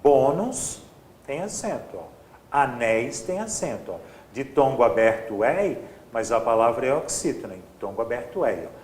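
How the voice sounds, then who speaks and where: A man's voice: medium pitch, very animated, normal speed, darkish tone, roomy sound, a little hiss or hum. A man teaching an exam-prep grammar lesson, explaining step by step and checking in with his students often.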